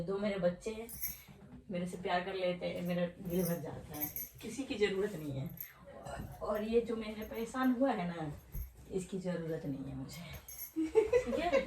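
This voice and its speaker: A woman's voice: medium pitch, animated, moderate pace. A young wife scolding her husband in a heated, sarcastic domestic argument. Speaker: wife of the vlogger. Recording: echoey room, voice from a distance.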